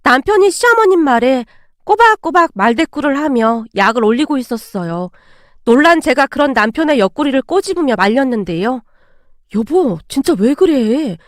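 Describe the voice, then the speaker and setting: High lively woman narrating a story. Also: a little fast, no echo, studio quality. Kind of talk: scripted first-person narration.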